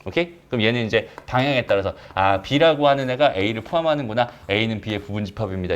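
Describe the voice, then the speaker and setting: Lively-pitched male math teacher. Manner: chatty, asks students questions and answers them himself. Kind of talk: recorded math lecture.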